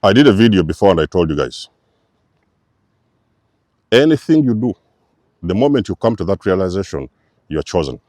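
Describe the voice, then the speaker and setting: Deep, dark-voiced man preaching. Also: sing-song, normal speed, long pauses, no echo. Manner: emphatic, repetitive, preacher-like. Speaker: spiritual channel host. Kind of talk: spiritual teaching monologue.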